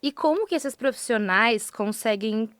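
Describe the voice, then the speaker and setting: A woman's voice: fairly high pitch, animated, moderate pace, a bit bright, smooth, no echo. Curious young Brazilian woman host. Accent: Brazilian Portuguese. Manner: curious, conversational, explains terms for listeners. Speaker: journalist host. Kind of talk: podcast interview questions. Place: podcast studio.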